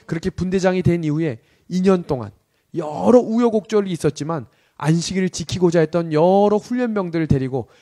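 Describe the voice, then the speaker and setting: Man, pastor, sermon, high voice, storytelling, questions to the congregation. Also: a little fast. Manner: storytelling, acts out shouted army commands.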